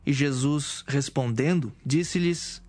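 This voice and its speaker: A man's voice: mid-range voice, slow, darkish tone, faint music behind. A man with a Brazilian accent giving scripted narration of scripture as a narrator.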